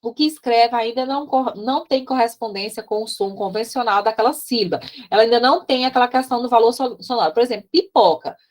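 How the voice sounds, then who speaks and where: Brazilian lady teacher going over slides, kinda high voice, lots of "right?" check-ins. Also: fast talker, few pauses. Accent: Brazilian Portuguese. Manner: conversational, frequent tag questions and pointing asides. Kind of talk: explaining slides in a recorded class.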